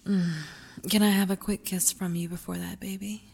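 A woman playing a tender, teasing caretaker who speaks softly and often whispers. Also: mid-range voice, flat delivery, normal speed, vocal fry, slight background noise, natural voice. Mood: soothing. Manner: soft, soothing, often whispering. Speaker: married woman caring for her lover. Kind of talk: adult audio roleplay.

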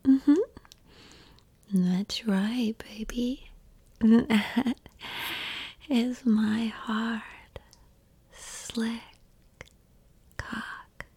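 A woman whispers very slowly in a breathy, mellow voice, soft and coaxing throughout. The sound is close and dry, with no room around it. She keeps her tone steady and reassuring in an intimate roleplay. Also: a little high, no room sound.

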